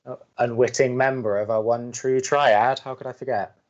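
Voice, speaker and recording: A man's voice: mid-range voice, steady tone, normal speed, dull audio, close to an everyday voice. A man playing a sardonic, awkwardly romantic young college radio co-host with a dry manner, in a scripted audio drama. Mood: wry.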